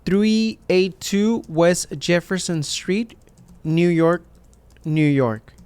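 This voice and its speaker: A man voicing an applicant in an interview, answering each question briefly and carefully. His voice is smooth and clear and sits a bit high for a man. He speaks slowly and evenly. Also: a little mellow, dry recording. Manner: short, plain, careful answers. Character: male citizenship applicant answering an officer. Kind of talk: scripted practice dialogue.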